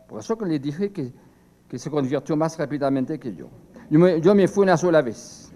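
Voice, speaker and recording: An older priest whose first language is French, giving a seminar talk from a prepared text, slow and halting with many pauses and restarts. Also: male voice, high-pitched, darkish tone.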